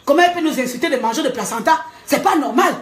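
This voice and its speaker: A woman's voice: high voice, animated, quick pace. A woman vlogger angrily ranting to the camera at home, scolding her critics and laughing between jabs. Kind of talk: angry rant to camera. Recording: echoey room.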